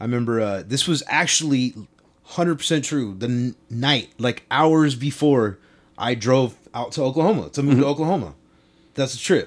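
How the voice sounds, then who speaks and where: This is a man with a Southern California accent. He speaks at a moderate pace. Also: medium pitch for a man, ordinary pitch variation. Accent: Southern Californian English. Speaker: apparel brand founder and filmmaker. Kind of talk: casual interview conversation.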